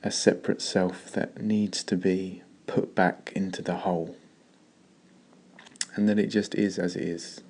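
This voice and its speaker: A man leading a guided meditation in a slow, calm, gentle way with long pauses. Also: low-pitched.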